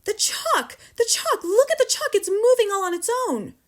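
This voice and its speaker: Shrill, hysterical schoolboy. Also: female voice, very animated, normal speed. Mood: hysterical, excited. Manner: shrill screaming. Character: excitable, hysterical young schoolboy. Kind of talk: storybook character reading.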